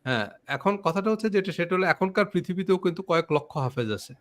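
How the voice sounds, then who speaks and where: A man's voice: high-pitched, animated, quick pace. A man hosting a casual debate, laying out his position step by step. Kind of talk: casual debate on a live stream.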